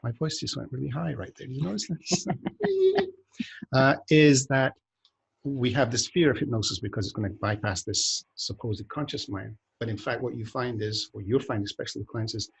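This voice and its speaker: A man's voice: medium pitch, a little fast, vocal fry, slightly rough. A man hosting a casual podcast chat, rambling and joking, often breaking off mid-sentence. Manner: rambling, self-interrupting, joking. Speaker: podcast host.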